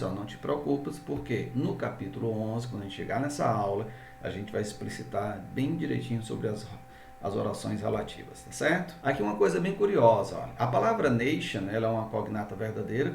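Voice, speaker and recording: A man with a Brazilian Portuguese accent teaches English grammar step by step, often checking in with his students. His mid-range voice has vocal fry and a darkish tone. The recording is roomy and distant, with a little hiss or hum.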